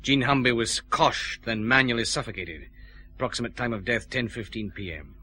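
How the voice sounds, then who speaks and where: An actor playing a dry, probing detective chief inspector in a radio drama. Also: male voice, medium pitch, moderate pace, bright, forceful tone, breathy edge.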